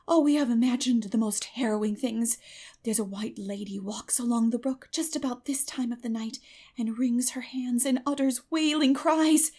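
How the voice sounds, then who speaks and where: A woman's voice: a little high, moderate pace, dark tone, voice pushed up, lightly acted. A woman voicing a terrified, imaginative little girl in a dramatic audiobook, breathless and melodramatic, with gasps and whispers. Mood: thrilled dread. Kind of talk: dramatic audiobook character acting.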